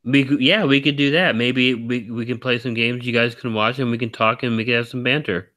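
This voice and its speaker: Tired deep-voiced man, dry and bright. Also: fairly even intonation, brisk, no echo. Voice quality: deep baritone voice. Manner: rambling, teasing, laughs often. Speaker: stream host. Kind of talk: casual chat.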